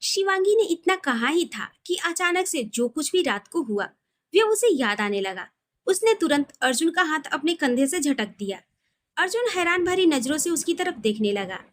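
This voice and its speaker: A woman with a high voice narrates romantic fiction. She reads from a script as a storyteller. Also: sing-song, moderate pace.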